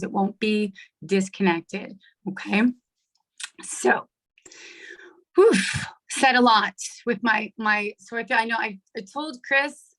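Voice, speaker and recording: A middle-aged woman with a hoarse voice leading an online coaching workshop on a video call, chatty and checking in with her listeners often. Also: medium pitch, fairly bright tone, rough recording. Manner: chatty, checks in with "right?" and "okay?". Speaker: workshop leader. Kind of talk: live online coaching talk.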